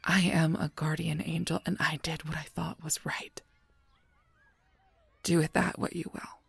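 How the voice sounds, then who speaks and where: An actor playing a solemn, protective guardian angel in an audio drama, speaking gravely and formally with a husky voice. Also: medium pitch, level tone, fairly bright tone, no echo, full character voice. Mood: firm, calm. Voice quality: husky, breathy, creaky voice. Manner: grave, measured, formal speech. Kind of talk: scripted audio roleplay acting.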